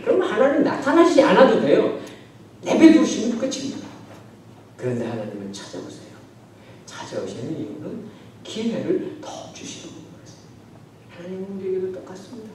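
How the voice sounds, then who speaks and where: A man who is a pastor, preaching a sermon with emphasis and swinging between loud declarations and soft asides. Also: sits high, far from the mic. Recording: very echoey hall, from afar, faint noise.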